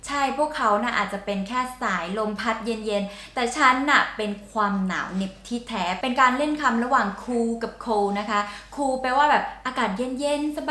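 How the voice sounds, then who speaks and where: A woman who hosts a channel translating songs breaks down lyrics and slang in a chatty, playful lesson. Her voice sits on the high side, bright and forceful, and the sound is roomy.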